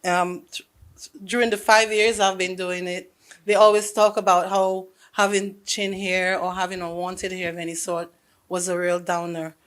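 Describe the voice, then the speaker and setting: A woman's voice: on the low side, flat delivery, moderate pace, fairly bright tone. A middle-aged woman from Saint Lucia, a salon owner and former police officer, telling her story candidly on a morning show. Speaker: laser hair removal business owner, guest.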